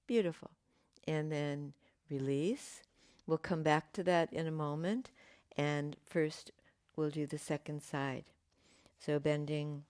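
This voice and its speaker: A woman teaching a yoga class, giving gentle, unhurried cues with pauses and fillers, her voice slightly croaky. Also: low voice, no echo, clean studio sound. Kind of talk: guided yoga class instruction.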